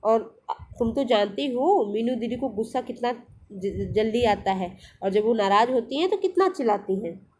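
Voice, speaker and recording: A woman's voice: fairly high pitch, lively intonation, normal speed, darkish tone, slight background noise, close to an everyday voice. Playful young boy, read by a female teacher, raised voice, teasing. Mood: fond scolding. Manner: teasing, scolding fondly.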